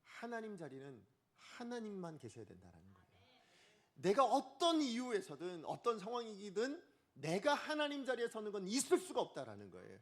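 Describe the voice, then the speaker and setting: Lively, animated male pastor preaching. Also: high-pitched, normal speed. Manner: lively, asks the congregation questions and acts out quotes. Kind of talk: Sunday morning sermon. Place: church sanctuary.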